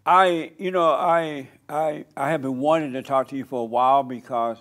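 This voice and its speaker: An older man from Alabama, hosting a studio interview and asking questions with halting restarts. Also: mid-range voice, fairly even intonation, a bit bright. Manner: halting, repeats words when starting. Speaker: host.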